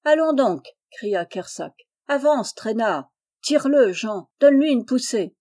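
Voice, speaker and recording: A woman reading aloud and voicing a brusque, hearty middle-aged farmer, gruff and booming at times. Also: lively intonation, a little slow, mellow.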